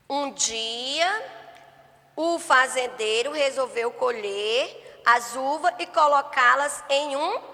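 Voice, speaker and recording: A woman's voice: high-pitched, bright, forceful tone. A woman teaching a first-grade class, stretching out syllables and checking in with the children often. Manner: slow, drawn-out syllables, frequent "né?" and "certo?" checks. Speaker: primary school teacher. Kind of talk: remote class lesson. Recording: long hall reverb.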